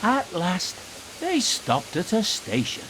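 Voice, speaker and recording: Guy reading a kids story, takes his time, lively up and down pitch, bit of noise behind. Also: takes it slowly. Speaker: storyteller, narrator. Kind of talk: scripted children's story narration.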